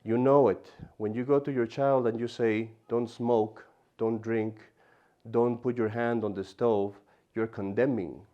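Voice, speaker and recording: A man teaching an adult catechism class in an animated way, often repeating himself and turning aside to talk to the class. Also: medium pitch, measured pace, dull audio.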